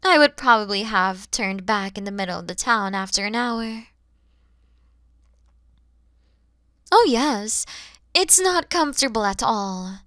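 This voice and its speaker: A woman as a bright, motherly dragon lady. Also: mid-range voice, dry recording, clean studio sound. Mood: patient, explaining. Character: huge motherly dragon woman, kind, proud, teasing. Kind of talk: ASMR audio roleplay addressed to the listener.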